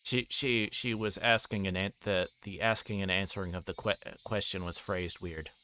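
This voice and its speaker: Low-voiced man streaming over background noise. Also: steady tone, moderate pace, bright, forceful tone. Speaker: livestreamer playing a visual novel. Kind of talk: reading game text aloud with casual commentary.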